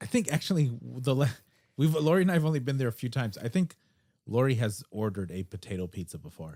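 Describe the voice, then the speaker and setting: A man with a Chicago accent talks at a very fast pace. His dark, mellow voice moves through very wide pitch swings. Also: medium pitch for a man. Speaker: podcast host. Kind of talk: casual chat.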